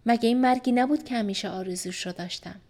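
A woman reading a first-person story aloud in a soft, subdued and reflective manner. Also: fairly high pitch. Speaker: audiobook narrator.

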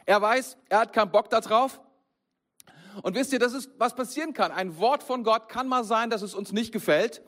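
A man delivers a sermon with a fairly high voice. He speaks in a lively, conversational way and keeps turning straight to his listeners. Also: moderate pace. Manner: lively, conversational, addresses the congregation directly. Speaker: preacher.

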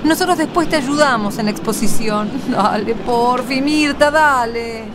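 A woman's voice: a little high, unhurried, background noise. A woman with an Argentine accent, hosting and narrating a scripted radio theatre piece. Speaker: radio play host and narrator.

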